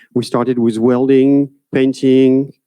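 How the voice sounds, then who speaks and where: The speaker is a man at a medium pitch. He has a French accent. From France. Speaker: tech company founder. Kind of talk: conference talk.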